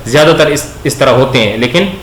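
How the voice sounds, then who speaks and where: A man's voice: medium pitch, expressive, a bit bright. Man teaching a grammar class, echoey room. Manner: explains patiently, asks questions and slowly repeats words for students. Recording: echoey room with faint background noise.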